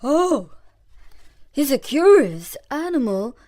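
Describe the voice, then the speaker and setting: A woman's voice: sits high, very animated, slow pace, dark tone, pitched above the performer's own voice, full character voice. A woman voicing a big, timid male lion in a storybook, mournful and plaintive. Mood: sorrowful.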